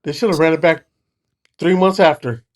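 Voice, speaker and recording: A man's voice: a little high, fairly even intonation, moderate pace. A man co-hosting a sports podcast, chatting casually with short, laid-back reactions. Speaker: podcast co-host.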